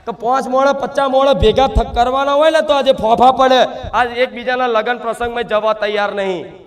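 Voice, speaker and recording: A man, speaking loudly as a spirit medium in a trance sermon to devotees, full of repetition and rhetorical questions. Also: very high voice, fairly even intonation, normal speed. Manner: loud, shouting, declamatory.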